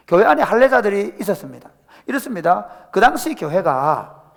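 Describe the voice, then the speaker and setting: Middle-aged male pastor, high animated delivery, long church reverb. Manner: animated preaching, acts out quoted voices, asks the congregation questions. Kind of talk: sermon. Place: church sanctuary.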